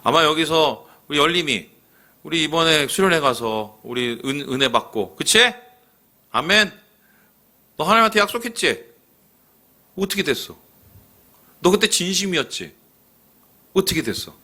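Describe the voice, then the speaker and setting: A male pastor preaching a sermon in a church in a colloquial, animated way, acting out the people he quotes. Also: on the high side, moderate pace, long pauses. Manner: leads the congregation in reading aloud. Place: church sanctuary.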